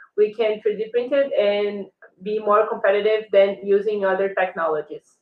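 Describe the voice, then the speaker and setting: A woman with a Brazilian accent, fairly high pitch and a moderate pace. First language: Portuguese. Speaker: startup founder. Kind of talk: interview.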